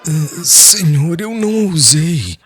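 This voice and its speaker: A man's voice: on the high side, very animated, slow, a bit bright, faint music behind, pitched above the performer's own voice, full character voice. A man voicing a humble, trembling elderly Jewish man in an audiobook, timid, hesitant and tearful. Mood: tearful apology. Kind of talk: dramatized audiobook character voice.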